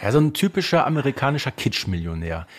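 A man's voice: medium pitch, big pitch swings, fast. Man chatting as podcast co-host. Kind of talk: casual fan discussion.

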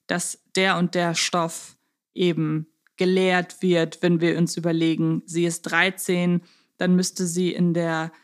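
A woman co-hosts a casual podcast, thinking aloud and reasoning step by step. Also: on the low side. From Hamburg, Germany. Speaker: podcast co-host.

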